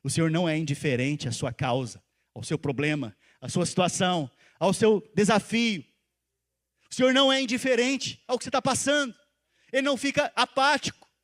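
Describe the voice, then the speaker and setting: Male pastor, high voice, sermon, loud emphatic calls dropping to soft asides, quizzes the congregation. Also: moderate pace. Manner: asks the congregation questions and repeats phrases for stress.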